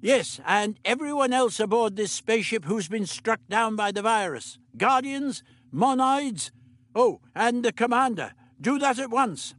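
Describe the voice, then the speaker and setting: Guy doing a fussy old doctor voice, high and bouncy, stammery and old-fashioned. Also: animated, measured pace, a bit bright, no room sound, exaggerated voice. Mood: explaining. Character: fussy, absent-minded elderly male doctor. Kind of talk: audiobook character reading.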